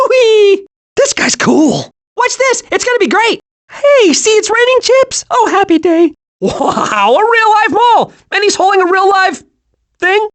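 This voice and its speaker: An actor voicing a hyperactive, naive, cheerful squirrel in an animated video game, with an excitable, childlike manner. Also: extremely high pitch, unhurried, full character voice. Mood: gleeful. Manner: excitable, childlike, gleeful exclamations.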